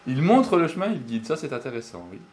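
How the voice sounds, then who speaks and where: A man's voice: mid-range voice, big pitch swings, a little fast, darkish tone, a little hiss or hum. A man giving a sermon and reading scripture aloud, speaking hesitantly with many fillers and asking his listeners questions. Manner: asks the audience questions. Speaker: preacher.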